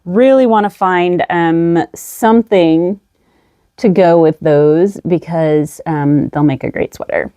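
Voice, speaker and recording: A craft vlogger sits at a table chatting casually in a show-and-tell style, musing aloud about her yarn with many ums and sounding a little out of breath. Her voice is on the low side, slow and dark in tone, captured in a dry, studio-quality recording.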